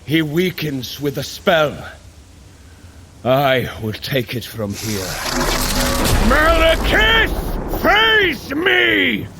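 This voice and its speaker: An actor playing a hearty warrior god of thunder, speaking in a heroic, archaic, declamatory manner in an audio adventure. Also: male voice, fairly high pitch, sing-song, extremely slow, creaky, exaggerated voice. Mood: rousing. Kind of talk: dramatic audio adventure acting. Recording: loud effects and storm-like noise. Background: loud ambient effects noise.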